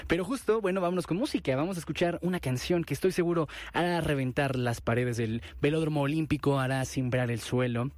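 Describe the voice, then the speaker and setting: A man with a Mexican Spanish accent hosting a radio ticket giveaway from a studio booth, animated and repeating phrases for emphasis. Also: a little high, a little fast, few pauses, dry recording. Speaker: radio host.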